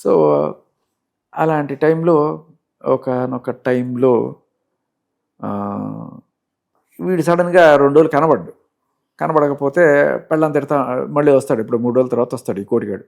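A man in his thirties, a radio jockey, telling his story in a soft-spoken, anecdotal way during a casual interview. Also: medium pitch, expressive, normal speed, creaky, long pauses. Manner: soft-spoken, anecdotal, mixes in English words.

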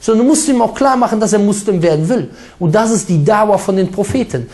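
A man preaching a sermon with emphatic, forceful delivery, mixing in Arabic recitation. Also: sits high, animated, fast talker.

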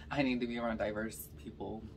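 A young woman with a faintly raspy voice and a slight Californian accent tells stories in a loose, chatty way while eating in her bedroom. She sits a little back from the mic, and a soft room hiss sits underneath her. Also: extremely low pitch, lively intonation, normal speed, recorded from a distance. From Georgia, US South. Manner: chatty storytelling between bites, lots of "like" and "y'all". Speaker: mukbang vlogger. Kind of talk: casual chat while eating. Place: bedroom, indoors.

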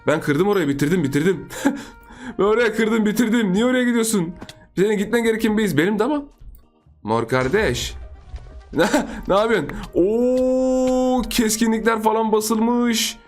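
High, excitable man commenting on gameplay. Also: moderate pace, soft background music. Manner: excitable, chatty, talks to the viewers and other players; swings between high exclaims and low asides. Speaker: gaming YouTuber. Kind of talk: let's-play gameplay commentary.

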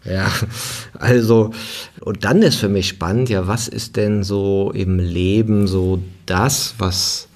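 Low-voiced man musing on self-growth. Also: steady tone, slow pace. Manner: thoughtful, tags sentences with "ne". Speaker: seminar leader. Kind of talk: reflective conversation.

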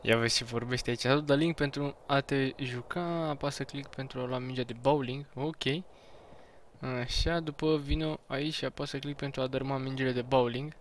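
A young man, chatting excitedly while playing a game on a headset mic, with joking loud exclamations. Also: medium pitch, a little hiss or hum. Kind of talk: casual gameplay chat.

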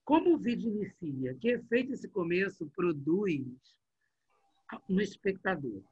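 A middle-aged male teacher, leading an online class in a lively, chatty way and talking straight to his students. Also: high-pitched, a little slow, slight background noise. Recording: dull, muffled online class audio.

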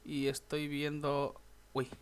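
Excitable young gamer, higher voice. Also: male voice, slow pace, clean tone. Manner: chatty, swears, bursts into excited shouts. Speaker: gaming YouTuber. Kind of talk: casual gameplay commentary.

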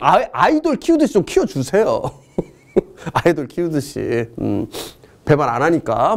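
A middle-aged man teaching a history exam-answer lecture, joking and chatting with his students between questions. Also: fairly high pitch. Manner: jokey, excitable, chatty asides to students.

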